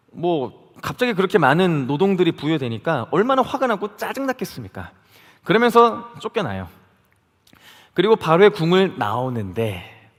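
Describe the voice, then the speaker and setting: A male pastor preaches with a high, lively voice that rises and falls as he retells the story and briefly takes on the voices of its people. A long reverb from the hall trails after every phrase. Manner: animated storytelling, acting out quoted voices. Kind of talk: sermon.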